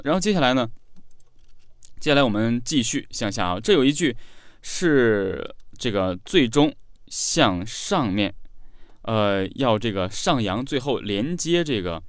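A man's voice: medium pitch, dry recording, studio quality. A man teaching a singing lesson, explaining technique step by step with frequent filler sounds. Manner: talks learners through each line step by step, with frequent fillers. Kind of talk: vocal coaching lesson.

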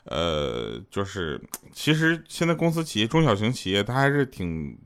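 A man's voice: fairly low pitch, wildly swooping pitch, normal speed, clean tone. A man telling funny stories in a loose, chatty way, often laughing at his own punchlines. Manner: loose, conversational, many fillers. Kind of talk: chatty comic storytelling.

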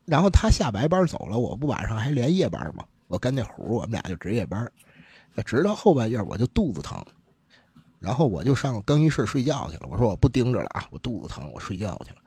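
Husky man, earthy and swearing, spins ghost yarns with lively swings in pitch, dry close mic. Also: fast talker, no echo. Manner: earthy, humorous, swears casually. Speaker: radio guest storyteller. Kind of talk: casual ghost-story telling.

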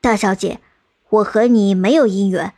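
A woman's voice: mid-range voice, fairly even intonation, moderate pace, warm tone, close to an everyday voice. A woman voicing a small, stubborn male frog who earnestly insists on a marriage. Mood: calling.

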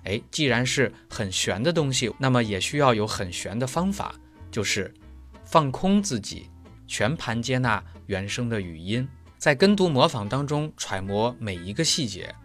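A man's voice: mid-range voice, very animated, moderate pace, fairly bright tone, faint music behind. A male German teacher explaining pronunciation step by step, leaning on everyday analogies. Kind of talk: explanatory lesson.

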